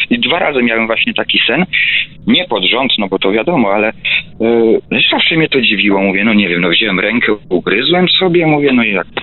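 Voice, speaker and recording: Very wide pitch swings from a man at a fairly quick pace, with noticeable background noise. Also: medium pitch for a man, very even loudness. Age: 30s. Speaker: caller, witness of paranormal events. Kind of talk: phone-in testimony. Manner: halting, repetitive stammering.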